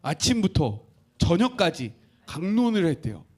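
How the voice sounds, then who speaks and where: Animated pastor preaching, high lively voice. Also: male voice, a little slow. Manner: animated, asks the congregation questions, acts out quotes. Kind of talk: sermon.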